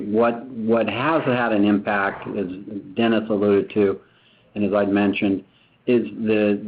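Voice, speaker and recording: A man speaking as a company executive on a phone-line earnings call, explaining things in a measured, unscripted way. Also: fairly low pitch. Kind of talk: unscripted business answers. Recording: tinny, narrow phone line.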